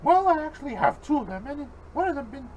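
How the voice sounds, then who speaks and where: A high, excitable cartoon villain played by a man, anxious and forever bargaining. The voice sits well above an ordinary male pitch and wheedles its way along, with faint noise behind it. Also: quick pace. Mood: wheedling. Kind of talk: amateur fan-made cartoon voice acting.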